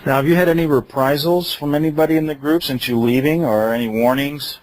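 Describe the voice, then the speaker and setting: A man's voice: a little high, steady tone, a little fast, poor audio. A man hosting a radio interview, asking questions and giving brief affirmations. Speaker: radio show host.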